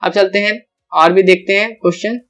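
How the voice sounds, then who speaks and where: A young man teaching an online grammar lesson, explaining step by step and repeating each example with drawn-out syllables. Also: high-pitched, steady tone, a bit bright, faint music behind.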